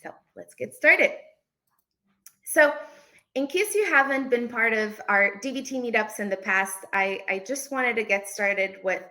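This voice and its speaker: A woman from Portugal presents informally to an online audience. Her voice is bright and forward, sitting a little high as she explains things. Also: expressive, measured pace. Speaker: events manager presenting a talk.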